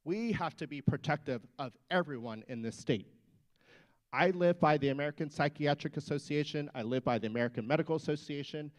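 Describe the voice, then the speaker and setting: A man's voice: on the high side, fairly quick. A male doctor speaks at a rally in a capitol building, his voice sitting a little above the usual male range. He is emphatic and stirs up the crowd. The delivery is that of a speech to an assembled audience. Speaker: physician speaker.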